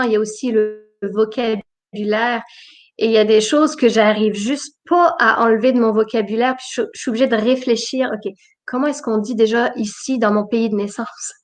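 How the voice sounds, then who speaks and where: A woman from Quebec with a mixed Quebec and France French accent, hosting a casual interview in a friendly, enthusiastic way. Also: a little high. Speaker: host. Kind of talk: casual video-call interview.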